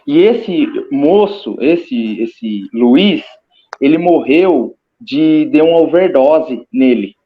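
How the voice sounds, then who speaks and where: High-voiced Brazilian man, hesitant and repeating. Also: expressive, slow. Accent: Brazilian Portuguese. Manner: hesitant, repeats words, re-enacts with gestures. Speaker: interview guest recounting a near-death experience. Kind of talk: casual personal testimony. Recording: slightly muffled lo-fi audio.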